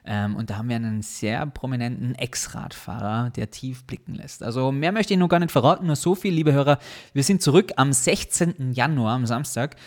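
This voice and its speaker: A man's voice: medium pitch, brisk. Upbeat man co-hosting a podcast. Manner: upbeat, addresses listeners directly. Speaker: podcast co-host. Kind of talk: casual podcast chat.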